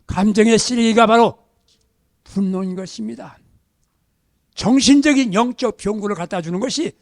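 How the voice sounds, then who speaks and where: A man preaching a sermon as pastor, emphatic and exhorting, dropping at times to hushed near-whispers. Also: high voice, creaky, no echo, studio quality.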